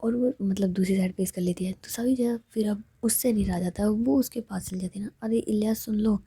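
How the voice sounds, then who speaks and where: A woman narrating a love story in a soft, half-whispered storytelling manner. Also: medium pitch, fairly quick, slightly rough, dry recording.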